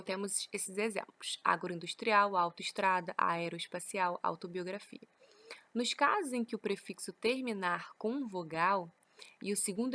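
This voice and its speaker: A woman's voice: medium pitch, a bit bright. A woman teacher with a Brazilian Portuguese accent, explaining grammar rules from slides and often adding "né?" to check understanding. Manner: explains each rule with frequent "né?" tag questions. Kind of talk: recorded grammar lesson reading from slides.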